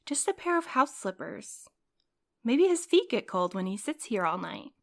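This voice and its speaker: In an audio drama, an actor plays Milo, a cautious, rule-minded night courier who worries and protests in an anxious, slightly prim manner. The mid-range voice is creaky, with big pitch swings and a moderate pace.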